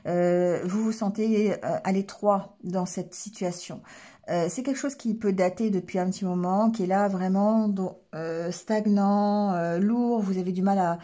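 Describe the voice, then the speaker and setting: A hoarse woman giving a tarot reading to her viewers, hesitant, with many fillers and restarts, clearing her throat often and checking in with the listener. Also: medium pitch, steady tone, measured pace, mellow. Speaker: tarot card reader.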